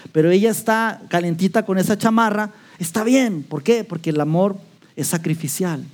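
Brief: Mexican Spanish pastor with a high, light male voice, preaching and asking rhetorical questions. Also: darkish tone. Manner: rhetorical questions, playful role-play asides. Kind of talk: sermon.

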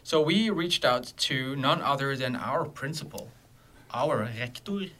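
A man's voice: mid-range voice, a little slow, pushed and bright. A Norwegian man co-hosting a podcast, playful and joking, often stumbling over his words. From Norway. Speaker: podcast co-host. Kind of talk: casual podcast chat.

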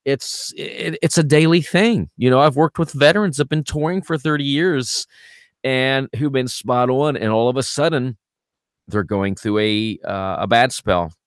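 This casual podcast chat features a man who coaches singers, talking at a moderate pace in an animated way. When he acts out his students' complaints, his voice goes higher. The studio sound is clean, with no echo.

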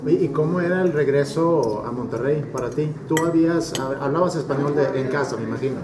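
A man interviewing a guest, asking calm, brief questions. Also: a little high, brisk, roomy sound, noisy background.

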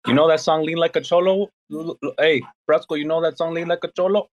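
A man's voice: on the high side, steady tone, fast, highs cut off, close to an everyday voice. A man voicing a crude, teasing cholo homie character in live audio chat banter, with slangy, profane drawling.

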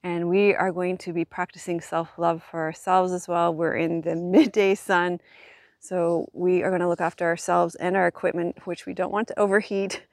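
A woman guiding a yin yoga class as the teacher, speaking gently and soothingly in measured phrases with pauses. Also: fairly low pitch, level tone, vocal fry, no echo, studio quality. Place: outdoors in a regional park.

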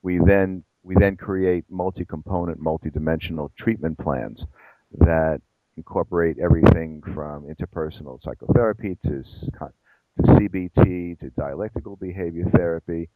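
Middle-aged male guest, very deep voice, wry and self-mocking, frequent restarts. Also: steady tone, normal speed, no echo, phone-quality sound. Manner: self-deprecating, discursive with many restarts. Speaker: guest psychologist and professor. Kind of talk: conversational interview answers.

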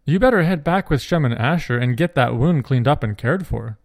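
Male storyteller doing a practical shepherd brother, even and plain, dry sound. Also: mid-range voice, fairly quick, creaky, no room sound. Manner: practical, matter-of-fact advice.

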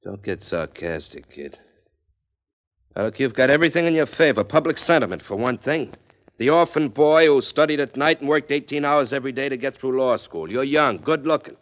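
Actor voicing a shrewd, blunt campaign manager; old radio drama. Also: male voice, medium pitch, animated, normal speed, natural voice. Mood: scheming. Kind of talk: 1940s radio drama acting.

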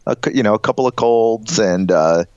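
A middle-aged man with a head cold, nasal and stuffed up, co-hosting a podcast with dry, deadpan jokes. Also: lowish voice, normal speed, clean tone, no echo, lo-fi sound. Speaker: podcast co-host. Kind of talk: casual chat.

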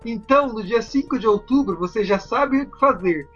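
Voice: medium pitch, expressive, a little fast, a bit bright, slightly rough, dull audio, soft background music. A Brazilian speaker delivering a mock political campaign speech.

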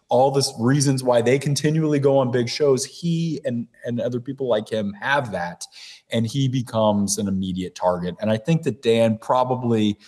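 A man talking bluntly as a podcast guest, in a mid-range voice that is neither high nor low. He is casual and animated, and he breaks into impressions of other people.

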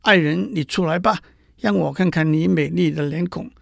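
A harsh, jealous sorceress queen from a storybook fable, as a man reads her lines. The voice is high-pitched and gravelly, and it sounds close and dry. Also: moderate pace, no room sound. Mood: eager.

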